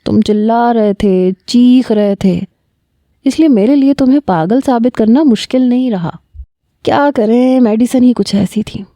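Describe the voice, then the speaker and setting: A woman's voice: a little high, dark tone, no room sound, clean studio sound, natural voice. A woman reading an audio story, voicing a cruel young woman who mocks and taunts her helpless captive. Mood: mocking. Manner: taunting, coldly mocking. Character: cruel mocking young woman taking revenge.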